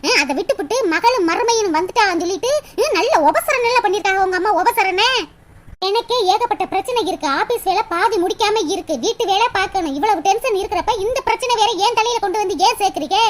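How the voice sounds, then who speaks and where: A woman doing a shrill sharp-tongued cartoon wife. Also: fast, a little hiss or hum. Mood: scolding. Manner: scolding, sarcastic, laughs mockingly. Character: sharp-tongued young wife, scornful and combative. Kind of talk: cartoon voice acting.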